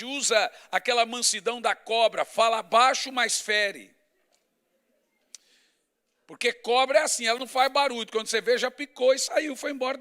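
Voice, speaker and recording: A middle-aged pastor delivers a sermon in an easy, conversational style, pressing his points through repetition. His voice sits high for a man and sounds bright and tense. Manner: conversational, emphatic preaching with lists and asides.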